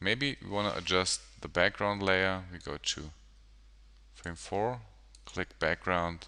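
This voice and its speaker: Against a quiet background, a man with a German accent talks at a very slow pace in a very deep, low pitch and a bright, sharp tone, leaving long, frequent pauses. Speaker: software tutorial instructor. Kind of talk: tutorial.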